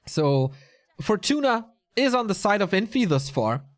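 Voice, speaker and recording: A man casting a live strategy game tournament on his own. His voice sits a little high and swings freely up and down as he talks. He keeps things casual, stopping to chat with viewers between the calls. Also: a little slow. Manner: lively, chatty, answers viewer chat mid-commentary. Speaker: esports commentator. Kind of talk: solo live game commentary.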